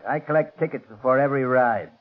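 An actor playing a plain-spoken, working-class roller coaster operator in a 1940s radio drama, slangy in manner. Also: male voice, medium pitch, fast talker, lightly acted. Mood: plain, insistent. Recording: muffled, narrow-band 1940s radio recording.

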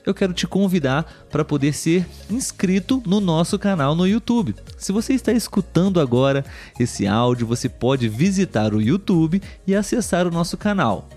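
A young Brazilian man who hosts a language-learning podcast, speaking clearly and warmly as he talks directly to learners. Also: mid-range voice. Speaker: podcast host and Portuguese tutor.

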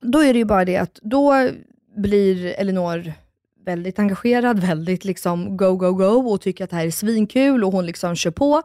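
A woman co-hosting a podcast in casual chat, telling stories in a lively way and acting out what people said. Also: mid-range voice, no echo, studio quality. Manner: animated storytelling, acts out quoted exchanges. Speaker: podcast co-host. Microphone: studio microphone.

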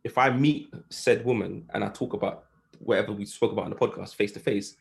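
A man's voice: lowish voice, brisk, vocal fry. London roadman-accented man chatting casually. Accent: London, urban street slang. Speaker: podcast guest. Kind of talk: casual podcast chat.

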